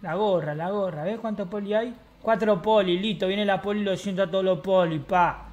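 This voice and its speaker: A man's voice: sits high, moderate pace, a little mellow, lo-fi sound. A man with an Argentine accent, streaming in-character game role-play with brash, mocking street talk. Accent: Argentine Spanish.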